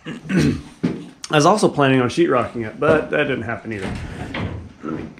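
A man giving a casual home tour, rambling and correcting himself, often clearing his throat. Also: mid-range voice, lively intonation, normal speed, background noise. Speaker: homeowner giving a house tour. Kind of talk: casual handheld tour narration.

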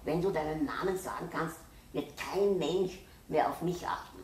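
A woman's voice: low-pitched, moderate pace, voice pushed up, natural voice. Woman doing a pleading, sulky young boy for a storybook; boyish lift, faint hiss behind. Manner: pleading, turns to angry shouting. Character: anxious, stubborn young boy. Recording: roomy, distant mic, faint hiss.

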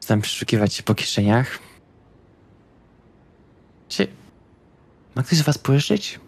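A man's voice: medium pitch, big pitch swings, slow, vocal fry. A man playing in a tabletop role-playing game, talking casually in and out of character.

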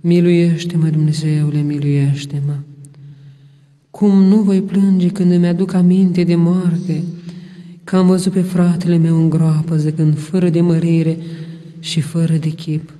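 Solemn man intoning prayers, dark hall reverb. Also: fairly high pitch, little pitch movement. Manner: slow, measured, intoning. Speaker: reader of Orthodox prayers. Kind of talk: solemn liturgical prayer reading.

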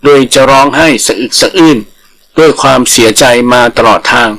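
A man's voice: medium pitch, normal speed, a bit bright, poor audio. A man reading a scripted folktale as a storyteller.

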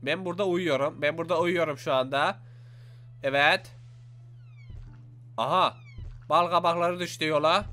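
A young man giving excited let's-play commentary, exclaiming and talking to his viewers as he plays. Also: a little high, moderate pace, long pauses. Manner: animated, exclaims and talks to viewers. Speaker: gaming YouTuber. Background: faint game music.

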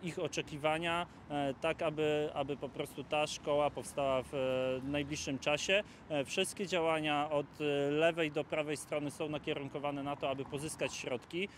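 A man speaking at a press conference as a council candidate, pausing often with fillers. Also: fairly high pitch, a little hiss or hum. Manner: halting, frequent filler pauses. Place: outdoors in a city.

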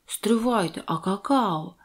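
A woman's voice: medium pitch, takes it slowly. A woman voicing an insistent male elf shop seller in an audio fairy tale. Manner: pushy, eager.

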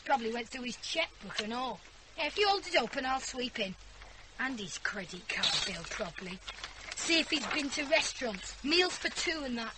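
A woman's voice: high voice, lively intonation, moderate pace, heavy background noise. An actress playing a cheeky, rebellious fifteen-year-old girl with a Northern English accent, blunt and scornful, in a radio drama. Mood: gossipy. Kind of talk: naturalistic radio drama acting.

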